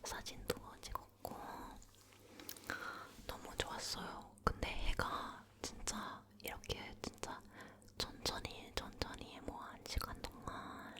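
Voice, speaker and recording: Female ASMR host, leaning in to whisper, slow and hushed, close-miked personal storytelling. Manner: slow, gently repeating words.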